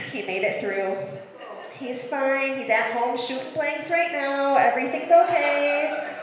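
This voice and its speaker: A woman in her thirties doing a stand-up comedy set on a club stage, with a deadpan, self-mocking way of telling stories into a handheld mic. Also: high voice. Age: 30s. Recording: echoey club room with long reverb.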